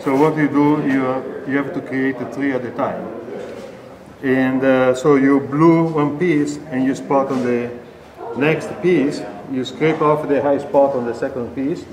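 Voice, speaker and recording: A man's voice: mid-range voice, steady tone. Italian-accented man explaining in an echoey hall. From Italy. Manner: halting explanation with many uh fillers. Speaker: scraping instructor. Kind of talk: hands-on shop demonstration. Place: busy machine shop at an engine show. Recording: roomy echoey hall, mic far off, crowd chatter.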